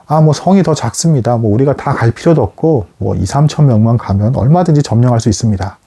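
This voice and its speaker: A man's voice: mid-range voice, dark tone, slightly rough. A man giving a casual Bible teaching talk, speaking conversationally with many fillers and rhetorical questions.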